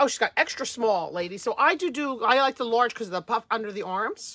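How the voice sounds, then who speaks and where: A woman talks at a fairly quick pace with hardly any pauses. Her pitch swings very widely. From New Jersey. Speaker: boutique owner. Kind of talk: live sales stream chat. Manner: animated. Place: shop. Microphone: phone near.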